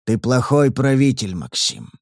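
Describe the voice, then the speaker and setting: A man voicing a stern, calculating old male patriarch who speaks slowly and low in an audiobook. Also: very animated, a little mellow, no echo, clean studio sound. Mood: cold, measured. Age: older. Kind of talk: audiobook character reading.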